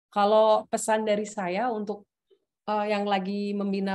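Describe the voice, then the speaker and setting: A woman talks fairly slowly with a quiet background. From West Java, Indonesia. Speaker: interviewee, Indonesian wife in mixed marriage; interviewee. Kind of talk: casual interview. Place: home room. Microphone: video call.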